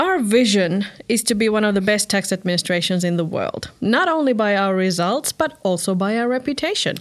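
A woman with a Finnish accent at a medium pitch, fairly quick pace and hardly any pauses, her intonation lively and her loudness very even. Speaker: podcast host. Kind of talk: interview.

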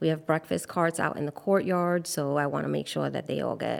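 In a very clean recording over a silent background, a woman speaks fairly quickly. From New York City, the Bronx. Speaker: school secretary. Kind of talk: interview.

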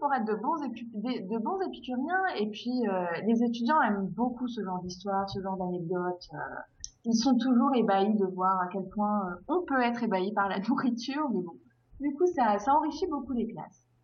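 Over noticeable background noise and audible room echo, a woman talks at a moderate pace in a fairly high voice with very wide pitch swings. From France. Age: 20s. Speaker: French teacher. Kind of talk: interview. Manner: hesitant, with fillers.

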